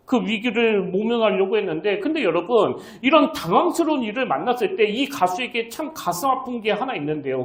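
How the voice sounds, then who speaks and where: A middle-aged man preaches as senior pastor, his high voice climbing and falling with wide, lively swings. He speaks earnestly and leans on rhetorical questions to the congregation. The sound carries the echo of a large church room. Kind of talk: sermon. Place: church sanctuary. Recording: echoey church sanctuary.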